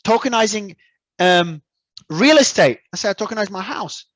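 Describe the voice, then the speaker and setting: Aussie guy talking crypto-style, emphatic, fairly high pitch, dead dry room. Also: moderate pace, no echo. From Australia. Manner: animated, emphatic, repeats words when restarting. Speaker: crypto entrepreneur guest. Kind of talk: casual interview talk.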